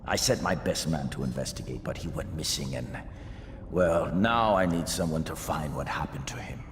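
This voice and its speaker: Gruff game gang boss: very deep, gravelly drawl, sly slang, echoey space. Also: male voice, normal speed. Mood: sly, sizing up. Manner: sly, folksy streetwise drawl, ungrammatical slang. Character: gruff, shrewd middle-aged male street gang boss. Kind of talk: video game character dialogue. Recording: echoey reverberant hall with background noise.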